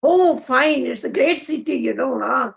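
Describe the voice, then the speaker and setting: A woman's voice: sits high, animated, a little slow, vocal fry, breathy edge. A woman with an Indian English accent hosting an English practice video call, asking friendly, encouraging questions. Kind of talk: casual video call chat.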